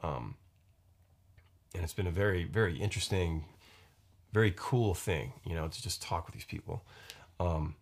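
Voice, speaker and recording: A man in his forties with a very low, deep voice talks into a podcast microphone. He wanders from thought to thought, restarting sentences and filling pauses with ums and you-knows, in a loose, casual solo chat. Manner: rambling, halting, many restarts and fillers. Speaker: podcast host and musician.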